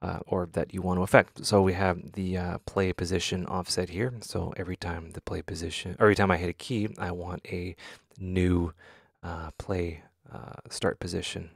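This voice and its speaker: Deep, gravelly-voiced man giving a tutorial. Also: flat delivery, no room sound, studio quality. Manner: halting, thinking aloud as he demonstrates. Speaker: tutorial host. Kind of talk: casual software tutorial talk.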